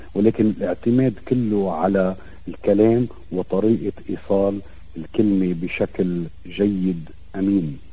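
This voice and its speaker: Fairly low in pitch and dark, mellow in tone, a man speaks at a very slow pace with fairly even intonation. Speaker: actor, storyteller. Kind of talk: interview answer.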